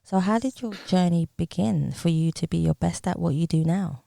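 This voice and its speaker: A woman's voice: on the low side, normal speed, vocal fry, mellow, no echo, clean studio sound. A woman hosting a podcast, upbeat and effusive, thanking her guest often and asking long questions. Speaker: podcast host.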